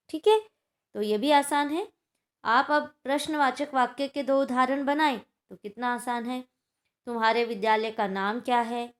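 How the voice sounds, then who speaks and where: A woman teaching a Hindi grammar lesson to schoolchildren, explaining patiently and checking in often with her class. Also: a little high.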